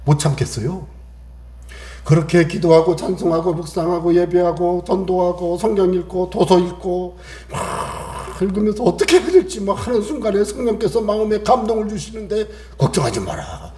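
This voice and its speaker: A man's voice: sits high, level tone, moderate pace, dark tone, roomy sound. A man preaching a sermon as a pastor, emphatic and repetitive, firing rhetorical questions at the congregation.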